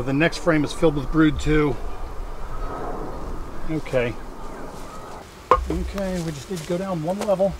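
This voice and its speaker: Higher-voiced middle-aged man, noisy outdoors. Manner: folksy, chatting to himself and the bees. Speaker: beekeeper and vlog host. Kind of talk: casual narration while working at a hive. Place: outdoors in a wooded yard. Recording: outdoor audio with clear background noise. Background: outdoor ambience, buzzing insects.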